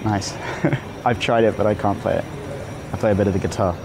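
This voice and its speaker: Over city traffic noise, a man in his twenties who works as a dating coach chats in a relaxed, playful way while filming a street approach vlog with commentary. His pitch is fairly low and he speaks fairly quickly.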